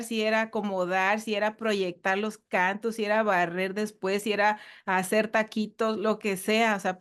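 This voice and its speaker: A woman with a Mexican Spanish accent speaks at an ordinary middle pitch. She tells her conversion story earnestly in a casual interview, circling back and repeating phrases, with plenty of small fillers. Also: clear, resonant tone. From northern Mexico. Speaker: church guest.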